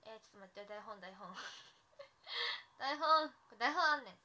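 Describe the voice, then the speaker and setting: Giggly high bright young woman. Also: measured pace. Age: young adult. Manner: giggly, excitable, rambling with many restarts. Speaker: idol livestreaming to fans. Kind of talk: casual livestream chat.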